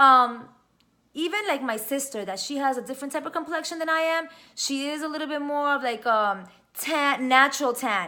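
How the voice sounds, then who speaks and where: In an American accent, a woman speaks at a high pitch with a bright, sharp tone and a raised, projected voice. Her pace is moderate and her pitch varies in an ordinary way. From New York. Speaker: beauty vlogger. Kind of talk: product review vlog. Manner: casual, chatty with filler words.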